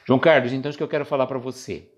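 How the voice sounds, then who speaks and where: A Brazilian man hosts a spiritual livestream in an informal, chatty way. His voice sits at a medium male pitch. He talks directly to the people watching, as in a casual conversation. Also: fairly even intonation, rapid-fire. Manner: informal, chatty, addresses viewers by name.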